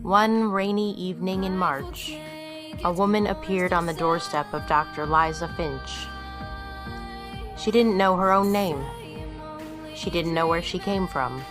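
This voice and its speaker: Actress as haunted amnesiac woman, bleak audio drama narration, low-pitched, slow, music behind. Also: natural voice. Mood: somber, haunted. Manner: measured, somber delivery.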